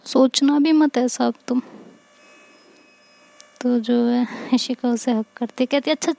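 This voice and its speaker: An Indian-accented woman with a higher, creaky voice tells a romantic story at an unhurried pace. She keeps it casual and chatty, acting out the quoted dialogue herself in a lively, colloquial way. The recording has no room sound.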